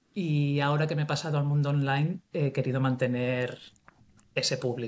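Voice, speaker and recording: A woman with a very deep, low pitch speaks at a moderate pace with fairly even intonation. The recording is very clean, with a silent background. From Spain, Cuenca. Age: 40s. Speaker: Spanish teacher. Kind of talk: casual chat.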